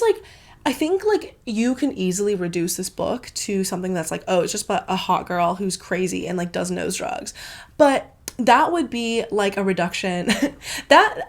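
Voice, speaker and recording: A congested woman hosting her book channel, gushing in a casual, filler-heavy review with plenty of swearing. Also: medium pitch.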